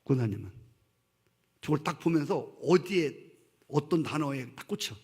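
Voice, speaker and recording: Husky Korean pastor preaching a sermon. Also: male voice, on the high side, normal speed, a little mellow. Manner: emphatic, questions congregation directly; acts out stern voices in quoted speech.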